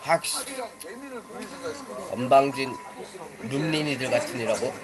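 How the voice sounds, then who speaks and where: A woman in her 20s is live streaming and chatting with players, scolding the younger ones like a bossy big sister and swearing as she goes. Her bass voice is a little slow, with a crowd in the background and music playing loudly beneath her.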